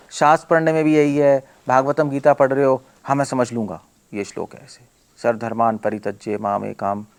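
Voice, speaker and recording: This is a man delivering a devotional lecture as a monk. His voice sits at an everyday middle pitch. He drives his points home emphatically, asks his listeners rhetorical questions and slips English words into his speech.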